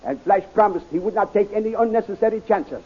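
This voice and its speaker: A man's voice: high voice, fast talker. An actor in a 1930s radio drama playing an earnest, fatherly scientist who speaks formally and carefully, on a muffled old recording. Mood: measured. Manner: formal, careful diction without contractions.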